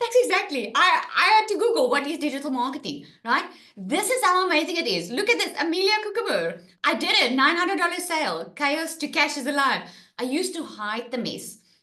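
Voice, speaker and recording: Fairly quick and raised, a woman's projected voice sounds bright and sharp at an extremely high pitch with very wide pitch swings. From South Africa. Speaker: online business coach. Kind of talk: webinar sales pitch. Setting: webinar with screen sharing. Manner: animated.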